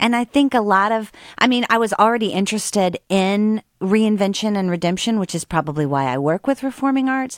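A woman talks at a fairly quick pace with hardly any pauses, using an ordinary speaking voice at a medium pitch. The recording is very clean with a silent background, and the sound is dry and close with no echo. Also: lively intonation. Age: 50s. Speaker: novelist. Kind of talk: interview.

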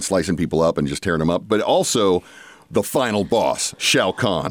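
A man with a very deep, low voice speaks with lively intonation while noticeable background noise carries on. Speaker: voice actor and radio broadcaster. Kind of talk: interview. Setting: studio. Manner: animated.

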